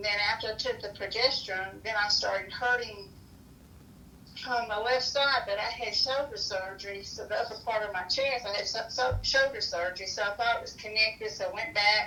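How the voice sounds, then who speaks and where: Audible room echo surrounds a woman speaking at a fairly quick pace in a fairly high pitch with ordinary pitch variation. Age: 60s. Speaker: caller. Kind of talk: phone-in question.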